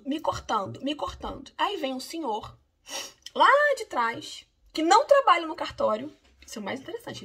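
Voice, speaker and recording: Her high voice is fairly bright, slightly rough, and shows vocal fry. An immigration lawyer from Brazil, speaking with a Brazilian Portuguese accent, she tells a first-person story of something that happened to her with emphatic indignation.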